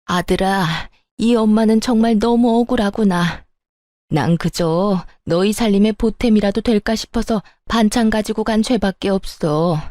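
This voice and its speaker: A woman's voice: medium pitch, a little slow, dark tone, no room sound, studio quality, lightly acted. A woman voicing a bossy, self-pitying older mother-in-law who scolds and wails theatrically. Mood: wailing. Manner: scolding, sneering, wailing theatrically. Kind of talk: storytelling narration.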